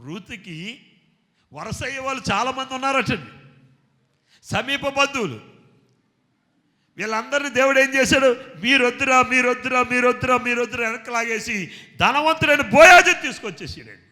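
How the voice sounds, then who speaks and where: A man preaching a sermon, constantly quizzing his congregation and urging them to answer loudly. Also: very high voice, lively intonation, normal speed, pauses often. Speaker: pastor. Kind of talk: Telugu sermon with call-and-response questions. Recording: long reverb from a hall.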